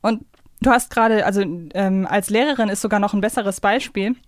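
A woman talks as a podcast co-host at an ordinary mid pitch. The recording is dry, with very little room sound. Her delivery is casual and conversational, as if working out her thoughts while she speaks. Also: steady tone, fairly quick, dry recording.

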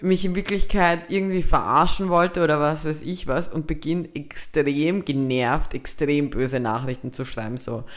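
A woman's voice: deep voice, moderate pace, few pauses. Woman, Viennese Austrian accent, young adult, podcast co-host, casual storytelling, profane, English slang, acts out dialogue. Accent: Viennese Austrian German.

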